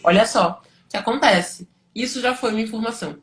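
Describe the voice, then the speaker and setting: A woman's voice: a little high, brisk, faint music behind. Brazilian woman teaching in a conversational way. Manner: conversational and didactic, asks and answers own questions, frequent check-in tags. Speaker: teacher and study coach hosting a livestream. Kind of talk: informal live lesson, explaining to students.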